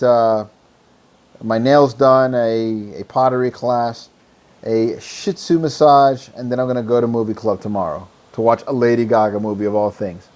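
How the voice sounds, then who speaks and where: A hoarse, tired man hosting a podcast, rambling loosely through fantasy football picks and swearing freely. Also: mid-range voice, darkish tone. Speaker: podcast host. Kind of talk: casual fantasy football talk.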